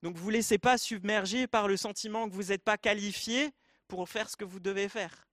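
A man's voice: high-pitched, steady tone, a little fast, fairly bright tone, dry recording, studio quality. A man with an Arabic accent preaching a sermon, speaking earnestly and directly to the congregation.

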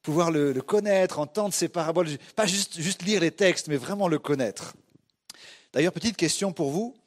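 A man's voice: on the high side, normal speed. A man from France preaching to a congregation in a conversational, hesitant way, often addressing listeners directly. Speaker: guest pastor, church movement leader. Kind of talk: sermon to a congregation.

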